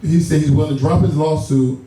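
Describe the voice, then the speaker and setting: A man co-hosting a casual talk show, lively and laughing as he reads out gossip news. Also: fairly high pitch, a little fast, heavy reverb, distant mic, a little hiss or hum, low-quality recording. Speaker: co-host. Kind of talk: casual studio banter. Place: studio.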